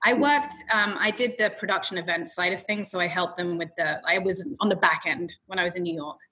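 A woman from London, England, with an English accent softened by an American twang, a realtor chatting as an interview guest. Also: on the low side, poor audio. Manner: chatty, quick storytelling. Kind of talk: casual interview answers.

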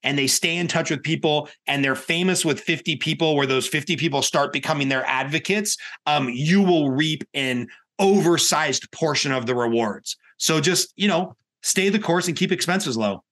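Man, somewhat high voice, podcast guest, sales coach, candid, colloquial, repeats points for emphasis. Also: normal speed, a bit bright. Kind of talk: podcast interview, conversational advice.

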